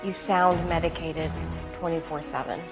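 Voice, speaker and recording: A woman's voice: low voice, fairly even intonation, normal speed, music in the background. A woman speaking as a talk show guest, accusing and exasperated in a family confrontation.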